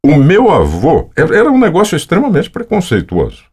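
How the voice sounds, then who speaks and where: A man's voice: a little high, huge pitch swings, brisk, darkish tone, husky. A Brazilian man in his seventies, a voice-over artist, telling long casual stories in an interview. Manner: rambling, anecdotal, with frequent fillers.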